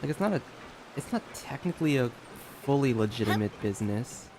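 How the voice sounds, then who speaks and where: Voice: medium pitch, lively intonation, fairly quick, background noise. A game streamer giving casual, off-the-cuff live commentary while playing. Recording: game music behind.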